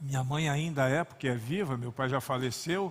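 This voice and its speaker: A man speaks at a fairly slow pace with a São Paulo accent. His pitch varies in an ordinary way. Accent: Brazilian Portuguese, paulistano. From Brazil, São Paulo city (East Zone). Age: 60s. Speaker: pastor. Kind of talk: sermon. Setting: church.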